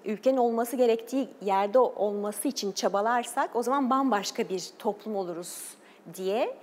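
A woman's voice: on the high side, normal speed, long reverb tail, slight background noise. A woman, a journalist and documentary maker, speaking earnestly as a TV interview guest, with fillers and short laughs. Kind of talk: TV interview talk.

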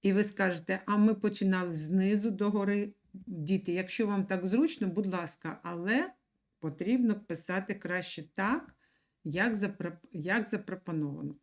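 A woman teaching young children in an online lesson, speaking slowly and clearly and repeating words for them to write down. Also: mid-range voice. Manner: patient, slow and clear, repeats words for dictation. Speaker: primary school teacher.

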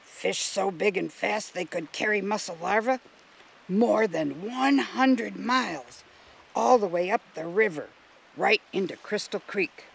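A man's voice: sits high, animated, a little slow, gravelly, a bit bright, breathy edge, exaggerated voice. A man voicing a grumbly, knowledgeable male river mussel in a children's storybook, explaining things emphatically. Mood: wistful.

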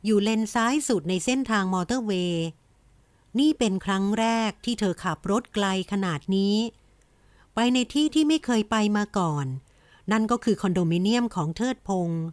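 Gentle woman narrating a romance novel. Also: mid-range voice, lively intonation, moderate pace, no room sound. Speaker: audiobook narrator.

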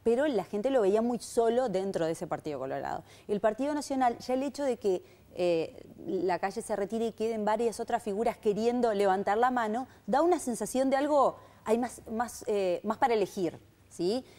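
Mellow-voiced woman explaining opinion trends. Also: fairly high pitch, expressive, moderate pace. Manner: explanatory, checks in with "¿sí?". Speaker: public opinion analyst. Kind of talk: panel discussion.

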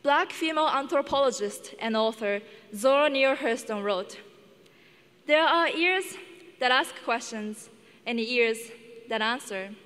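Young woman from Japan, slow earnest delivery, arena reverb on the voice. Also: high-pitched, fairly bright tone. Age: young adult. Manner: earnest, measured, emotional. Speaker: student class speaker. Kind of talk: commencement speech. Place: large indoor arena stage. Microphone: headset mic.

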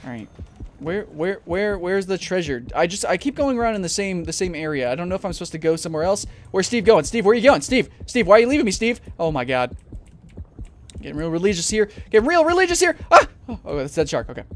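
A young man commentating his gameplay at a desk mic at home, jumpy and swearing, often breaking into panicked shouts. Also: high voice, animated, fast talker. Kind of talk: let's play commentary.

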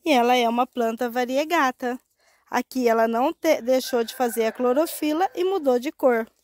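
A woman in her fifties from Brazil, slightly hoarse from a cold, talks into a clip-on mic in a shaded plant nursery. Her voice sits high for a woman. She chats in an affectionate, informal way, with plenty of tag questions and diminutives. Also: moderate pace, darkish tone. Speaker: succulent grower. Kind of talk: casual plant-care vlog. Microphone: wired lapel mic.

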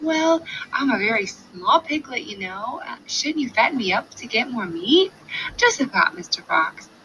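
A woman voicing a small, clever male piglet in a storybook, squealing high and coaxing with little hesitations. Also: very animated, normal speed, sharp tone, highs cut off, a little hiss or hum.

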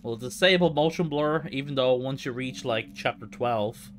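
A man's voice: mid-range voice, normal speed. A man hosting a gaming livestream in casual, slangy, informal chat. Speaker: livestream host, speedrunner.

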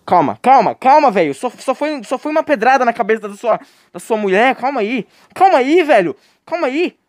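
A man's voice: extremely high pitch, big pitch swings, brisk, no room sound, studio quality. A young man with a Brazilian Portuguese accent streaming a horror game live, joking with his chat and breaking into panicked yelps when scared. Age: young adult. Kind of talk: live gameplay commentary.

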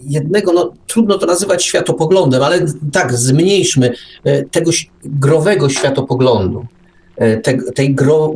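A man's voice: fairly high pitch, darkish tone. A man hosting an unscripted radio discussion, digressing and often restarting his phrases. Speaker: radio show host and book enthusiast. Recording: distant mic with faint background noise.

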